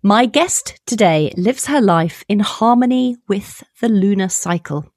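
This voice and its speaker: A woman hosting a podcast, reading a gentle scripted introduction and sometimes dropping into a whisper. Her voice carries a light gravelly edge, and the studio sound is dry and close. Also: medium pitch, expressive, a little slow, no echo. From United Kingdom. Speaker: podcast host.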